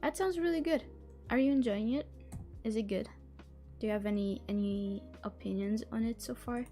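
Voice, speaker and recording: Mellow-voiced non-native English-speaking woman streamer. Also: on the high side, moderate pace, faint music behind. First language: not English. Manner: chatty, giggly, stumbles over words while reading. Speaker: livestream host. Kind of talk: casual livestream chat, reading a book blurb aloud.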